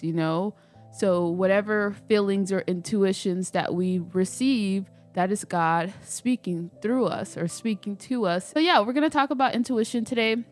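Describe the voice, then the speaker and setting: A woman vlogging casually while doing her hair, a little stuffy and nasal from a cold, rambling with lots of fillers and restarts. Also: mid-range voice. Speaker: spiritual vlogger. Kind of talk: casual chat to camera.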